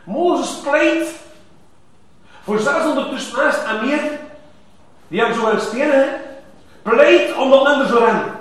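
A man delivers a sermon, high-voiced and emphatic. His pitch swings widely as he presses his points. He sounds distant in a very echoey hall. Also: measured pace, pauses often. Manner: animated, emphatic preaching with rising exclamations. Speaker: preacher. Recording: echoey church hall from far off.

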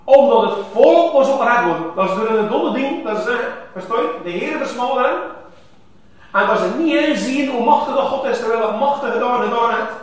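A man's voice: extremely high pitch, expressive, fairly quick. A man preaching a sermon, emphatic, with rising exclamations. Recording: echoey church hall from far off.

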